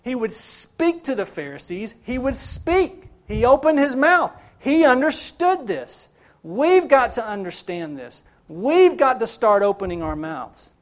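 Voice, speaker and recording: A male pastor with a notably high voice delivers his sermon slowly and deliberately. He leans on repetition, pressing key phrases again and again as his emphasis builds. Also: sing-song. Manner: preaching with rising emphasis, repeats phrases for stress.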